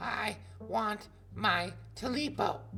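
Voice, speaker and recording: A hoarse, put-on character voice comes through over clear background noise. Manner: croaking.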